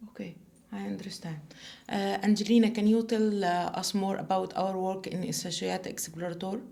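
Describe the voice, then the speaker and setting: In a small studio, a podcast co-host from Egypt, a woman in her 20s, chats casually and asks her guests questions, hesitating with frequent "uh" fillers. She speaks at a normal, level pace in a warm, mid-range voice with vocal fry.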